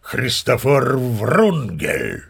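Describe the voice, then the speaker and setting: An actor playing a seasoned old sea captain who narrates tall tales as a chatty, mock-dignified raconteur. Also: male voice, medium pitch, huge pitch swings, drawn-out words, creaky, fairly bright tone, breathy edge, heavily acted. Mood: chatty, wry. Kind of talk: dramatized storytelling narration.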